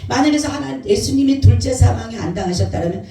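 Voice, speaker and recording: Animated pastor in an echoey church. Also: medium pitch, quick pace, gravelly, soft background music. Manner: animated, asks the congregation questions. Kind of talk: Easter sermon. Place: church sanctuary. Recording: very echoey church hall, mic far off.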